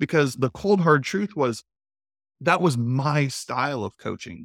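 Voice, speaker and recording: A man with an American accent, fairly high in pitch and lively in intonation, dry and close with no echo on a very clean recording with a silent background. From US Midwest. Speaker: real estate entrepreneur. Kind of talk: interview chat. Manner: animated.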